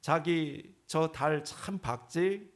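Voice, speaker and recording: A man's voice: a little high, extremely slow. A man voicing a sweet Seoul wife asking her husband cutesy questions. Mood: flirty.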